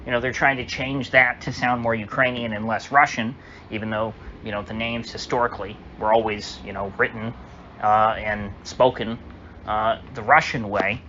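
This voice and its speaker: A man's voice: fairly low pitch, steady tone, normal speed, bright, forceful tone. A man giving casual solo commentary, rambling and hesitant, full of fillers and restarts. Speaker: political commentator. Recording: dull lo-fi audio with faint hiss.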